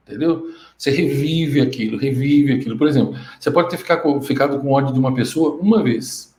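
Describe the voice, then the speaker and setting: A man, coaching students through a live Q&A, emphatic and often checking that they understand. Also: darkish tone. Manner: emphatic, keeps checking "understand?" with sudden upward pitch jumps. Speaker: emotional-control coach answering students. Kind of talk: live Q&A teaching. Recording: roomy echo.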